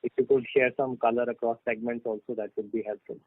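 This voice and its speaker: A man's voice: medium pitch, level tone, quick pace, no echo. A man politely asking a question as an analyst on an earnings call. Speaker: financial analyst caller. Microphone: phone call. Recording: dry, tinny phone line.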